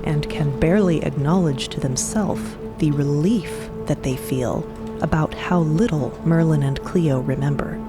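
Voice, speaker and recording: A woman's voice: low-pitched, measured pace, music in the background. A woman narrating a scripted audio drama in a dramatic style.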